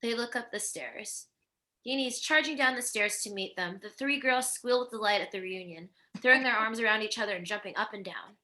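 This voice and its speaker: Casting: female narrator for script directions, mid-range, crisp bright tone. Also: medium pitch, a little fast. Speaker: stage directions reader.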